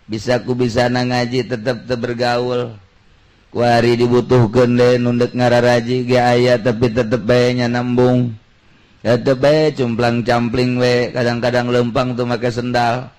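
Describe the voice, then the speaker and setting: Male Islamic preacher, mid-pitched, colloquial comic storyteller who slips into characters' dialogue. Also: a little slow, rough recording. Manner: colloquial, animated shifts between character voices. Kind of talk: humorous sermon storytelling, acting out dialogue.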